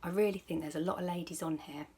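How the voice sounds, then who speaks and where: A woman's voice: lowish voice, steady tone, fast, warm tone, slightly rough. A woman vlogger giving casual advice to viewers in a chatty, rambling, self-correcting way.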